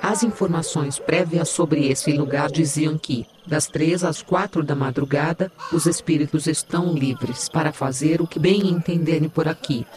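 Man voicing a sassy, higher-pitched AI assistant. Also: moderate pace, few pauses, crowd noise, close to an everyday voice. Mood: matter-of-fact. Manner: teasing, theatrical, matter-of-fact. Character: sassy, vain digital AI assistant, self-styled diva. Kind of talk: audio drama acting.

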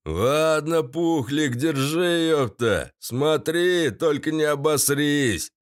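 A man's voice: fairly high pitch, slow pace, voice pushed up. A man voicing a coarse, dim-witted hulking henchman who talks in slang.

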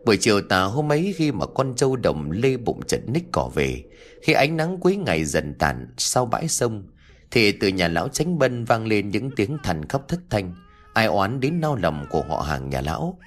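A man's voice: fairly low pitch, sing-song, moderate pace. A man narrating a scripted ghost story with a dramatic, suspenseful delivery.

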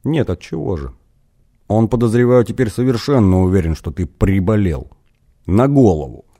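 Guy doing husky sarcastic baroness lady, low dark voice, teasing tone. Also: animated, moderate pace. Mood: mocking. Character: sly husky female baroness, mocking.

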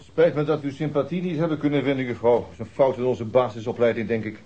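An actor playing a dry, persistent, matter-of-fact police detective in a radio drama. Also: male voice, medium pitch, steady tone, fast talker, mellow, breathy edge, close to an everyday voice. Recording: muffled old radio drama recording.

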